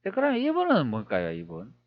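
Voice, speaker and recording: A man's voice: mid-range voice, wildly swooping pitch, fast talker, no echo, muffled recording. A man talking viewers through old images on screen, wondering aloud with many rhetorical questions. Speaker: history video creator. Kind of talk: screen-recorded commentary.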